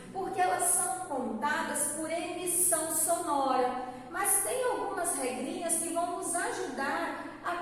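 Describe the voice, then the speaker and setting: Woman teacher, patient explainer who sings out words; long reverb, faint noise behind. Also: sits high. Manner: explanatory, checks in with "certo?" and "tá?"; calls out words in a stretched, sung tone. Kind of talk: recorded classroom lesson. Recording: echoey hall from far off, faint background noise.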